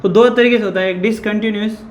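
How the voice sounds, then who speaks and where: A man's voice: sits high, steady tone, fast, a little hiss or hum. A man teaches a physics lesson in an echoey room. He asks the class questions and answers them himself, saying "guys" over and over. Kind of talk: whiteboard lecture.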